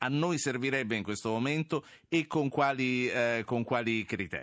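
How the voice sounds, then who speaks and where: A man talks at medium pitch with ordinary pitch variation. His tone is bright and sharp. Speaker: radio host. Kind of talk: live call-in current affairs show. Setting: radio studio.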